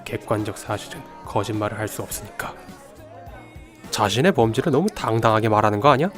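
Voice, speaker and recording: A man's voice: on the low side, fairly quick, faint music behind, natural voice. A man playing a cool young detective. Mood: accusing. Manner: cool, assertive, deductive. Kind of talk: student radio drama.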